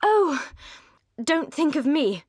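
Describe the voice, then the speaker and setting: A woman's voice: high voice, sing-song, slow, no room sound, studio quality, voice pushed up, exaggerated voice. A woman voicing a passionate, earnest young woman in an audiobook, speaking with spirited, emphatic intensity. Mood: spirited, tearful.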